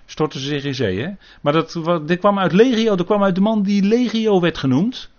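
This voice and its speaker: With a high-sitting, darkish voice at normal speed, a man preaches a Bible sermon. He stays earnest and cautious, checking in with the congregation through frequent tag questions, all captured in a dull lo-fi recording.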